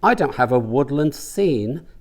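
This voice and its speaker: A man's voice: mid-range voice, expressive, measured pace, pitched above the performer's own voice, close to an everyday voice. A man voicing a dry, unsympathetic, teasing and bossy gay man in a comic novel. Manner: dry, needling.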